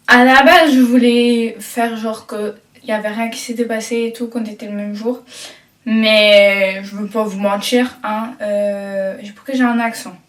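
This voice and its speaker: Recorded from a distance and off-mic in an echoey room with faint clatter behind her, a woman with a fairly high, steady voice vlogs while tidying her bedroom. She talks a little slowly, rambling chattily and teasing herself.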